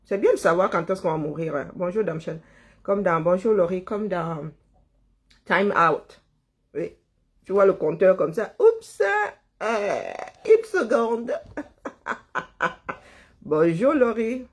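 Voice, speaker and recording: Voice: mid-range voice, unhurried, slightly rough. A livestream host, chatting casually and greeting viewers by name, rambling and chuckling and stumbling over words.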